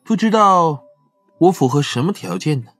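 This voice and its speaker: Man putting on a smug, flirty, high-pitched suspect. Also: lively intonation, moderate pace, a bit bright, soft background music. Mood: smug, teasing. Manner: teasing, nonchalant.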